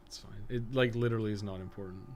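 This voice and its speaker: A man's voice: fairly low pitch, steady tone, quick pace, darkish tone, slight background noise. A man giving casual live video game commentary as a streamer, with a wry, offhand, sarcastic way of talking.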